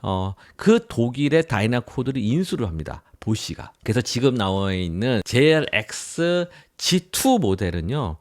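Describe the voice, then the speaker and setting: Man explaining with lively, swinging intonation. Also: mid-range voice. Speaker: product reviewer, host. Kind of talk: informal explanatory product review.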